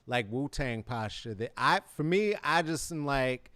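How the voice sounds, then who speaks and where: Playful, smooth-voiced male host. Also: medium pitch, lively intonation, fairly bright tone, dry recording. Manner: playful and joking, quick quips. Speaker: podcast host. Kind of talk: casual conversation.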